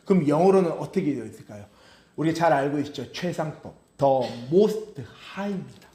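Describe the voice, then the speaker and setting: A male pastor preaching a sermon. He reads scripture aloud slowly, then explains it in a hushed, earnest voice. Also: on the high side, animated, reverberant. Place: church sanctuary.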